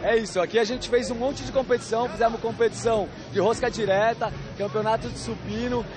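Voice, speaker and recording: A man's voice: very high-pitched, steady tone, fast. A man who works as a physical educator, explaining competitions matter-of-factly at a busy indoor sports fair, into a handheld mic. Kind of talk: interview answers. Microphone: reporter's handheld mic. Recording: crowd noise at an expo.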